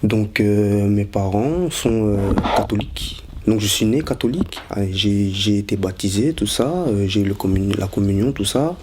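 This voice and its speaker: Young man, lowish voice, halting unscripted testimony. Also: background noise. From Congo, raised in Brussels. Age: 20s. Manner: hesitant, many fillers and restarts. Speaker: interviewee.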